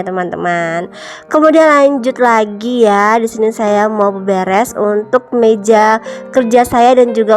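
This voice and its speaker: A woman in her thirties narrating a home cleaning vlog, her voice a little nasal from a cold, chatting warmly to viewers she calls moms and friends. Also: medium pitch. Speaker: home vlogger, mother. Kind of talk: casual chatty voice-over narration. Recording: faint music behind voice-over.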